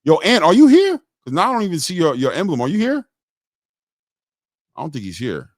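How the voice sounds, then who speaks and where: A man's voice: a little high, huge pitch swings, a little fast, no room sound. Man hosting a hype boxing livestream. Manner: hypes guests and reads super chats aloud. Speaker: livestream host. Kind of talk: casual livestream chat.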